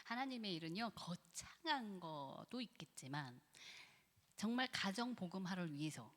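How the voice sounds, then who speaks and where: A woman's voice: medium pitch, normal speed. A woman professor giving a church lecture on biblical psychology, acting out quoted voices and laughing often. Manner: lively and animated, acts out God and Satan in quoted voices, laughs often. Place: church sanctuary. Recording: echoey church hall.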